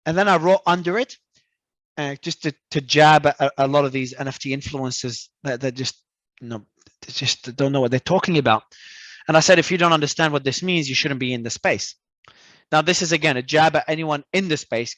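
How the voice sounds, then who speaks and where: A man from Australia, a guest talking in an animated, emphatic way and often repeating words as he restarts. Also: on the high side, brisk, dry recording. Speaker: crypto entrepreneur guest. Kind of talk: casual interview talk.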